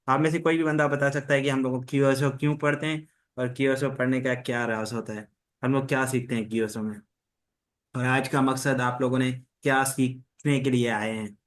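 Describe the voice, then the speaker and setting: Male online class host, South Asian accent, even intonation, formal and halting in English. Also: medium pitch. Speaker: host and moderator of an online law study session. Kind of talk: informal online class moderation, switching between Hindi-Urdu and English. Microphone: online group call.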